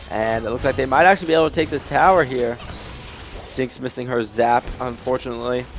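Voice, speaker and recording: Music plays in the background as a man rattles along at a very fast pace. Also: medium pitch for a man, ordinary pitch variation. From Washington state, USA. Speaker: esports shoutcaster. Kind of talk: video game play-by-play commentary. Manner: upbeat, energetic.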